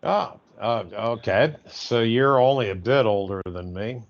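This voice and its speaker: A man's voice: mid-range voice, measured pace, highs cut off. A man in his early sixties chatting casually and making crude jokes. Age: 60s. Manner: crude, jokey remarks. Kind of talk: casual chat.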